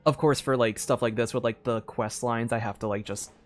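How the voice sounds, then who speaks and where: A man's voice: medium pitch, steady tone, fairly quick. A man chatting casually as a game streamer, explaining things in a hesitant, rambling way full of fillers. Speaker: streamer playing a game and voicing its dialogue. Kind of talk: casual livestream chat. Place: room at home.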